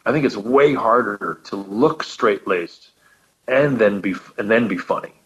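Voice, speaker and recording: A man with a fairly low voice chats as a podcast guest, musing his way through ideas. He circles back and restarts his sentences as he thinks. The audio is muffled and lo-fi. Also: measured pace. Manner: thoughtful, rambling, frequent restarts and repeated words. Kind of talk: casual conversation about old radio comedy.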